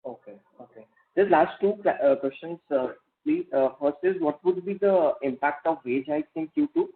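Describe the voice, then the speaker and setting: Higher-pitched Indian man on phone line. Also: sing-song, moderate pace, vocal fry. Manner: polite, deferential. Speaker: financial analyst asking questions. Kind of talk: formal questions on an earnings call. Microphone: telephone conference call. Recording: tinny narrowband conference phone line.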